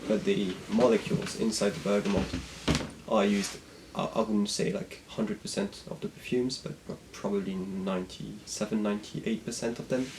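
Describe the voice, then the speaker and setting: A man in a casual chat, explaining perfume chemistry haltingly and technically. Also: lowish voice, fairly even intonation, background noise.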